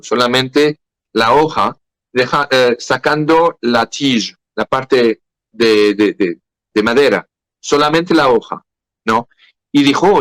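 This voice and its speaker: A man with a French accent speaking Spanish as a second language in a podcast interview, halting and searching for words. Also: mid-range voice, a bit bright, no echo, low-quality recording. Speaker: guest.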